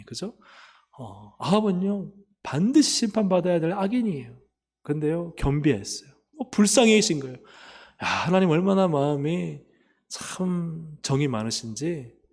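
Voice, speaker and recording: A man preaching a sermon as pastor, emphatic, swinging between loud calls and soft asides. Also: medium pitch, big-room sound. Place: church sanctuary.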